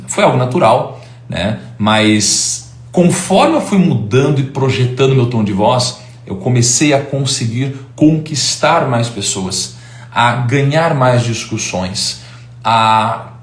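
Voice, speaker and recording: A man's voice: medium pitch, roomy sound. A man in his thirties giving a live informal lecture as host, chatty and full of tag questions. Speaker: host and teacher.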